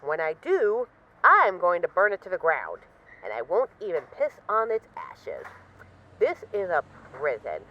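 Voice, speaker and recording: Woman acting a female mafia boss, restless and lovesick, wry rambling delivery, lively intonation, intimate audio roleplay, slightly dull recording. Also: on the low side, measured pace, heavily acted. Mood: exasperated, wry. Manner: dramatic, wry, rambling, swears freely.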